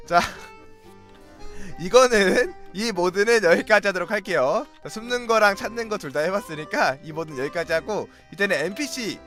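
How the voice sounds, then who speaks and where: A man's voice: sits high, fairly bright tone. A young man giving playful, teasing commentary over his own gameplay, breaking into sing-song taunts. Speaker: gaming YouTuber. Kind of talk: Let's Play commentary. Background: game music.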